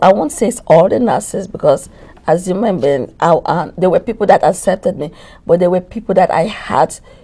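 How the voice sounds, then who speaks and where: Fairly quick and somewhat breathy, a woman with a Nigerian accent speaks at a medium pitch with lively intonation and a dark, mellow tone. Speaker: nurse leader. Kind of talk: interview.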